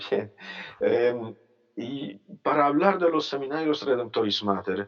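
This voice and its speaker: With a Polish accent, a man talks at a fairly slow pace, his fairly high pitch carried by lively intonation. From Poland, Warsaw. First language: Polish (speaking Spanish). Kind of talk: interview. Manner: halting, many fillers.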